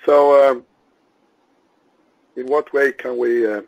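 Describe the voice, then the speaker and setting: A man from Sweden, a native Swedish speaker, giving a webinar lecture in English on product work, pausing often with uhs and ums. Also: mid-range voice, fairly even intonation, lo-fi sound. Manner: halting, many uhs and ums. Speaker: Scrum trainer. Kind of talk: webinar lecture over slides.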